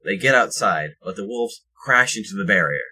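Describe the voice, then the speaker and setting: A man reading scripted third-person narration for an audio drama in a husky voice. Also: lowish voice, expressive, normal speed, bright, forceful tone, rough recording.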